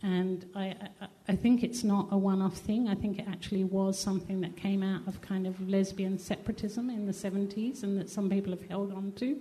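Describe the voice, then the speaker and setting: A woman speaks in a monotone, flat intonation with noticeable background noise. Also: medium pitch for a woman, moderate pace. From England. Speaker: LGBTI activist. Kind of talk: panel discussion. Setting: stage with audience.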